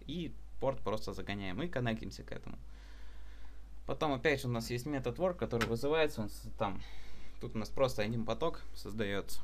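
A man walks through his code in a screen-capture tutorial, talking off the cuff. His voice sits at an ordinary mid pitch, and he often pauses on fillers and restarts his sentences. A faint noise floor hums behind him. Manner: unscripted explaining with many fillers and restarts. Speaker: programming tutor. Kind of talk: screen-recorded coding tutorial.

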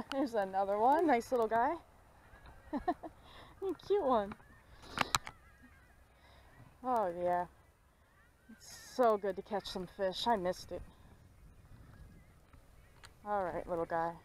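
A woman's voice: medium pitch, slow pace, long pauses, low-quality recording. A young woman chats eagerly as she fishes from a pond bank, with a mid-range voice. She is recorded outdoors on a head-mounted action camera, with faint background noise. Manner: excited, chatty, laughs often. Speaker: fishing vlogger. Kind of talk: casual commentary while fishing.

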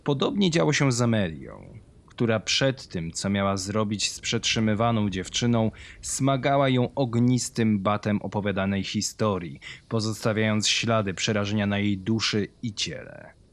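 A man's voice: fairly low pitch, animated, normal speed. A man giving scripted narration of a horror story.

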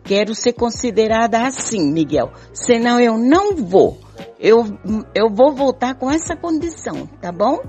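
Woman playing mellow, proud, demanding lover. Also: a little high, sing-song, unhurried, faint music behind. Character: proud, demanding woman wanting to be first wife. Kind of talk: amateur improvised radio soap opera.

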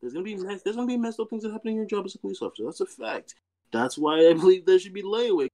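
A man's voice: high voice, lively intonation, racing, dark tone. A young man with a Nigerian accent, debating over a video call from a small room. He talks in bursts, repeats himself and stumbles over words. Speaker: debate guest. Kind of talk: heated casual debate. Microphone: webcam on a video call.

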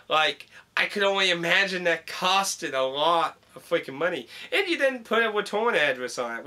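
A man's voice: a little high, bright, forceful tone. A young man talking casually about games he collected, rambling with many fillers and restarts, at home. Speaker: video game collector vlogger. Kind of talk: casual unboxing vlog. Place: home room with wall shelf.

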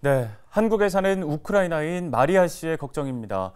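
A man presenting a local news briefing in a lively announcer's delivery. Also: a little high, a little fast, clear, resonant tone. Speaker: news anchor. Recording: music bed behind voice.

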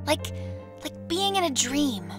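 A woman playing a shaken, earnest young woman in an audio drama, speaking haltingly and hesitantly. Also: sits high, very animated, music in the background, exaggerated voice. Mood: insistent, wondering. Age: young adult.

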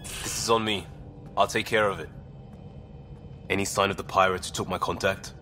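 An earnest, impulsive young crewmate in a video game, talks in a low voice. His phrases come halting and informal, weighed with guilt, over soft music. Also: fairly even intonation. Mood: determined. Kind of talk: video game cutscene dialogue.

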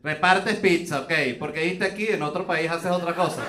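High-pitched Venezuelan man doing stand-up. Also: a little fast, distant mic. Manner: teasing, mocking banter with audience. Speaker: stand-up comedian, host. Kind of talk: crowd-work stand-up comedy. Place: theater stage. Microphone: handheld microphone. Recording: roomy stage sound, audience noise.

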